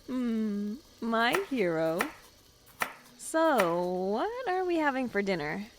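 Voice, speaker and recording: Wry, unhurried young girlfriend. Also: on the high side, sing-song, noisy background. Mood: teasing. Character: Rosalind, young woman newly in town, dryly teasing. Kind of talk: naturalistic audio drama acting.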